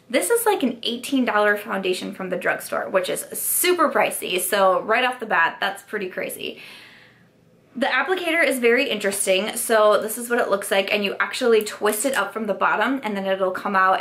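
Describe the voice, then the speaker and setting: A woman's voice: medium pitch, fairly bright tone. A young woman vlogger, losing her voice from a sore throat, chatting frankly through makeup reviews with lots of likes. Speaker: beauty vlogger. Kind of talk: casual product review.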